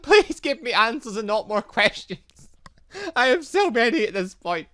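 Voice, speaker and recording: A man's voice: extremely high pitch, big pitch swings, moderate pace, bright, forceful tone. A man hosting a game playthrough, reading dialogue aloud and commenting in a theatrical, exclamatory way. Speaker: gaming video host.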